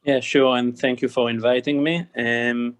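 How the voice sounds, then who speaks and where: A man's voice: medium pitch, little pitch movement, normal speed. A man from Israel with an Israeli accent introducing himself on a panel in clipped, matter-of-fact English. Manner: clipped, matter-of-fact, drops small words. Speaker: panelist, investor.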